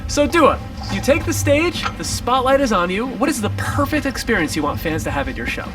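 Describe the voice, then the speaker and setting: A man asking upbeat, rapid-fire interview questions in an eager, playful way. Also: very high voice, sing-song. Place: backstage at an arena venue. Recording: distant mic with music behind.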